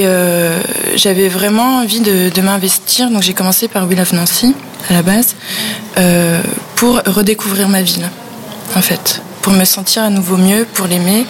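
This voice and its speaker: A woman's voice: mid-range voice, steady tone, normal speed, a little hiss or hum. A young woman answering interview questions, rambling with many fillers. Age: young adult. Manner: rambling, filler-heavy, laughs. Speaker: webzine co-founder, guest.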